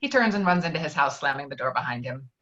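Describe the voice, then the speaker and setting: A woman's voice: deep voice, sing-song, quick pace, a bit bright, dull audio. A woman narrating stage directions in an amateur script table read over a video call.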